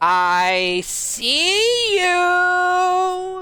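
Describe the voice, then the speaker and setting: Loud and extremely high, the voice is a put-on character voice. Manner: menacing.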